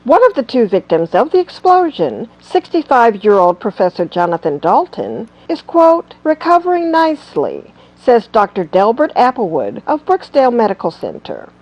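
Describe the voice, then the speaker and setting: An actress playing a polished morning radio news anchor, reading scripted headlines in an audio drama. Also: female voice, fairly high pitch, wildly swooping pitch, normal speed, few pauses, darkish tone, muffled recording, full character voice. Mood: brisk, professional.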